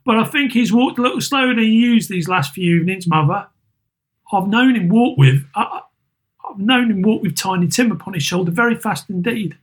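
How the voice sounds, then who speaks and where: Tender grieving mother, raised and quiet, husky, narrator puts her on. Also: high voice, lively intonation, brisk, voice pushed up. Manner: soft, tender, brave. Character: gentle grieving working-class mother.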